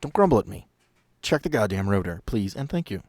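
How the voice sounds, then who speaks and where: A man as a gruff, wisecracking helicopter pilot. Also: lowish voice, very animated, darkish tone, no echo, studio quality. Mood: exasperated. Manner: brisk, bantering orders. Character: gruff, wisecracking male helicopter pilot, bossy but fond.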